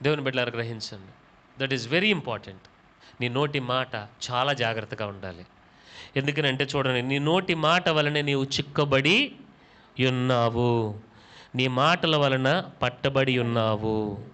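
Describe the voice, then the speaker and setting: A man's voice: mid-range voice, measured pace, a bit bright. A man preaching a church sermon as pastor, calling out questions to the congregation and repeating words for emphasis.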